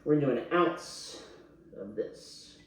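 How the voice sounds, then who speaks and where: A man's voice: medium pitch, expressive, measured pace. A drunk man hosting a casual cocktail tutorial online, talking in a slangy, crude, boisterous way. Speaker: YouTube host. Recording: echoey room, faint background noise.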